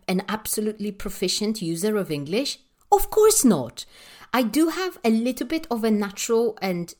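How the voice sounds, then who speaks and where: A young adult woman speaking English with a Polish accent, her pitch leaping and dipping with feeling. She talks in an emphatic monologue, throwing out rhetorical questions and scattering fillers as she builds her argument. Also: a little mellow. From Poland. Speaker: podcast host and English teacher trainer. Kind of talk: passionate monologue rant.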